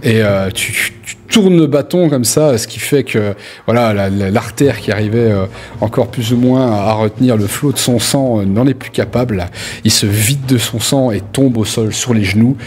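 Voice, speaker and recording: A man's voice: medium pitch, normal speed, darkish tone. A man narrating a tabletop role-playing game as game master, describing scenes in a hesitant, repetitive way. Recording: background music under the voice.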